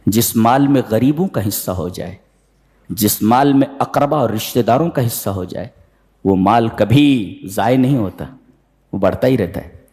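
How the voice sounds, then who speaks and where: A man giving a sermon that explains the Quran, telling the story with lively, theatrical delivery. He jumps into high-pitched voices when acting out characters and chants the Arabic verses slowly. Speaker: Quran commentary preacher. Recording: hall reverb.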